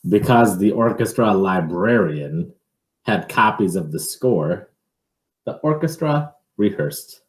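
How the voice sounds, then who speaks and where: A man reading a picture book aloud to children in an expressive, measured way, with informal asides. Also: on the low side, echoey room.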